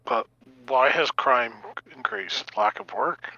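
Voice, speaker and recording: Player: man, bright and fairly high, hesitant stammering talk, dull lo-fi audio. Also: slow pace. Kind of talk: casual chat at a game table.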